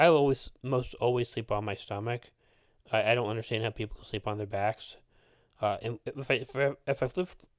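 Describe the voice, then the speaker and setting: Using a raspy, put-on character voice of medium pitch with ordinary variation, a man speaks at a fairly quick pace in a very clean, dry, close recording with a silent background and no echo. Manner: talking really fast.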